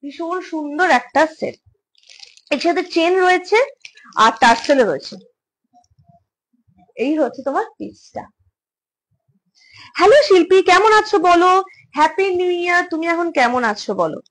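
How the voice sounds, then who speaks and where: A woman with a high voice talks through a casual home showcase of jewellery pieces. She is chatty, repeats her phrases and slips English words into her speech. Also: animated, moderate pace, pauses often, fairly bright tone, low-quality recording. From India. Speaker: jewellery seller. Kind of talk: casual live product showcase.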